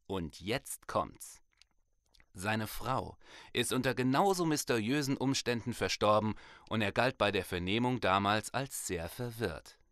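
An actor playing a weary, methodical, dryly wry police detective in a German audio drama. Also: male voice, lowish voice, fairly bright tone, no echo, clean studio sound.

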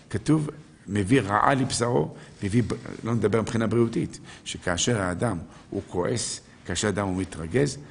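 A rabbi delivers a live sermon in a fairly low, creaky, slightly rough male voice. He asks his listeners rhetorical questions and answers them himself, quoting verses and sages.

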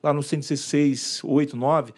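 A man's voice: on the high side, fairly even intonation, a little fast, a little mellow, slightly rough. A man giving an informal lecture on workplace harassment law, acting out quoted dialogue and pointing to slides. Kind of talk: informal presentation to an audience.

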